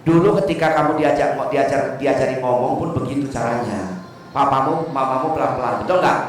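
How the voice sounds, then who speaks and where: A man's voice: mid-range voice, fairly quick, slight background noise. A man over fifty giving a joking Buddhist sermon in a temple hall, often asking the audience for agreement. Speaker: Buddhist Dhamma speaker. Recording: echoey hall, distant mic.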